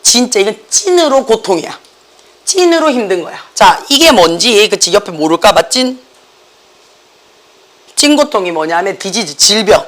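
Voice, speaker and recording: A middle-aged teacher with a Gyeongsang Korean accent and a hoarse voice, lecturing a class in an animated, joking way and slipping English words into the talk. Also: medium pitch, normal speed, long pauses.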